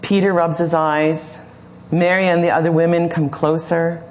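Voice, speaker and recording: A woman preacher retelling a scripture story slowly and imaginatively, often pausing to question the listener. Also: on the low side, flat delivery. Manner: slow, imaginative, gently questioning. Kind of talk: storytelling sermon.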